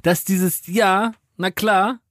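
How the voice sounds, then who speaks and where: A man's voice: high voice, steady tone, fairly bright tone, dry recording, studio quality. A man co-hosting a podcast who jokes, riffs and laughs easily in casual banter. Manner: playful, quick to laugh and riff. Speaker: podcast co-host.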